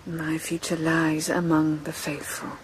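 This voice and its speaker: An actress playing a steadfast, grieving noble widow in a radio drama, hushed and deliberate. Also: female voice, low voice, completely flat delivery, slight background noise, rough recording. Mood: mournful, devoted.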